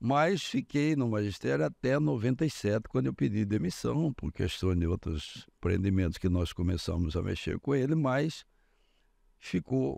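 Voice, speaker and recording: Against a quiet background, a man with a dark, mellow tone and fairly low pitch speaks at a fairly slow pace, his pitch swinging very widely while his loudness stays very even. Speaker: politician, former math teacher. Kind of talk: political interview.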